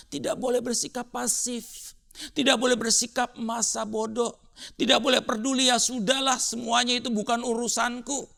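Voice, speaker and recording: Guy preaching a sermon, high forceful voice, really emphatic and repeats stuff for effect. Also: creaky. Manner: rhetorical, emphatic repetition with dramatic rises and drops in delivery.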